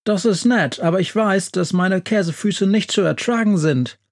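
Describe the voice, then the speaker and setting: A man voicing a big, hairy, soft-hearted male monster who loves fancy shoes, in a children's audio story. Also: high-pitched, normal speed, voice pushed up. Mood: sheepish. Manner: bashful, excitable, tearful.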